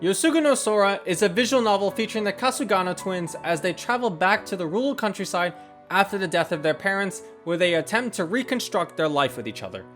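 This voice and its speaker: A man hosting a video essay, reading scripted narration in a measured, reflective way over opinions and recollections. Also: high voice, animated, a bit bright. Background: background music.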